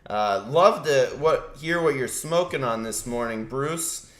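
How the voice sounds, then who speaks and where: A man's voice: medium pitch, lively intonation, takes it slowly, a bit bright. A man hosting a casual live morning show, talking in a laid-back way and swearing casually. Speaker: host. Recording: echoey room.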